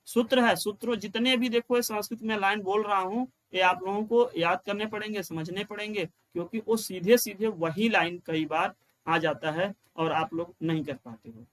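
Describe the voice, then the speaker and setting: High-voiced man teaching grammar. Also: fairly bright tone. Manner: explains step by step, repeats lines and asks questions he answers himself; chants rules in a slow sing-song. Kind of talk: exam-prep grammar lesson.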